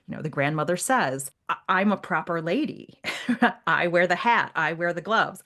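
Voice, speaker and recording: A woman hosting a literary discussion in a conversational, expressive and emphatic way, often acting out the remarks she quotes. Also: low voice. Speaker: podcast host.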